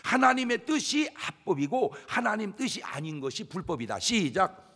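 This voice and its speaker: A male pastor delivers an animated sermon and acts out the prayers he describes. His voice sits high and swings widely in pitch. It is slightly husky, and a long church reverb follows every phrase. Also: normal speed. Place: church sanctuary.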